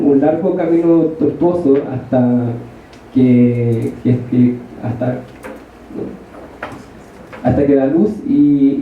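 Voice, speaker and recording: A man's voice: fairly high pitch, slight background noise. A man from northern Chile with a Chilean accent, commenting hesitantly from the audience at a panel, with many fillers and restarts. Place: large lecture hall. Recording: distant, echoey hall, thin phone-like sound.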